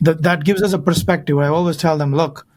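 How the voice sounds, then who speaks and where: A man's voice: fairly high pitch, steady tone, fairly quick, a little mellow. A man, earnestly telling his story as an interview guest. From India. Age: 30s. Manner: earnest, storytelling, often ends with "right?". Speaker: guest, financial advisor. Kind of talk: casual interview talk.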